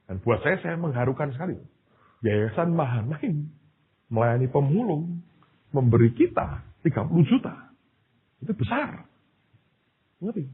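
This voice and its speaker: Male pastor, raspy, lively pitch, animated sermon storytelling; tinny lo-fi recording. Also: a little slow, pauses often. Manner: animated storytelling, addresses the congregation directly.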